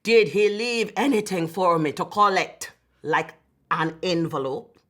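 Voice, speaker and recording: A woman performs a cross storybook landlord, a man fed up with chasing rent. He questions people forcefully and sounds exasperated and indignant. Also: on the low side, a little slow. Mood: expectant.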